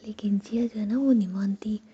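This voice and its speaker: A woman narrating a story in a soft, conversational whisper. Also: mid-range voice, fairly even intonation, brisk, breathy edge. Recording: dull lo-fi with faint hiss.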